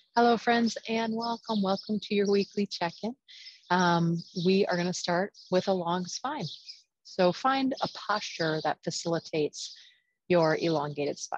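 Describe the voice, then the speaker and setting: A soothing, calm tone comes at a fairly slow pace with ordinary pitch variation. The sound is dry with no echo over a quiet background. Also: woman. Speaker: yoga teacher. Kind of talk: guided meditation. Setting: outdoors recording. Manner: slow, soothing, calm and gentle with pauses. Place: garden. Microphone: earbuds.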